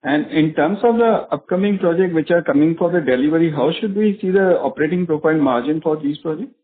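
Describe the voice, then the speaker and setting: A man asking halting, detailed questions as an analyst on an earnings call. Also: a little high. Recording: tinny phone line.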